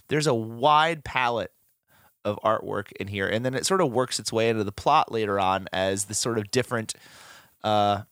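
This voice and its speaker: A man's voice: mid-range voice, fairly bright tone, no echo, studio quality. A man co-hosting a podcast, chatting casually and eagerly about comics, just over the flu. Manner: enthusiastic fan talk with fillers. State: recovering from the flu. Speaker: podcast co-host. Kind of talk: casual comic book discussion.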